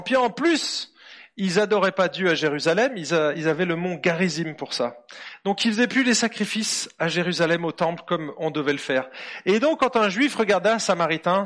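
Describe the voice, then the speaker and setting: Male preacher with a high-pitched voice, informal family sermon, engages his audience with questions. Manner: asks the audience lively questions. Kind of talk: conversational sermon for children and adults.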